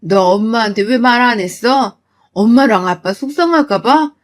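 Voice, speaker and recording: A woman's voice: a little high, steady tone, slow. Woman doing a fierce protective mother. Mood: indignant. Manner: scolding, loud.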